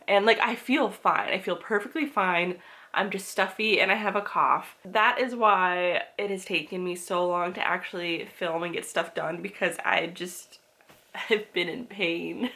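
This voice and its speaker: This young book and lifestyle vlogger's voice sits on the low side, bright and forceful, at a measured pace as she talks casually to camera. She's stuffy-nosed and coughing but bubbly and talkative, with plenty of "like" and laughter.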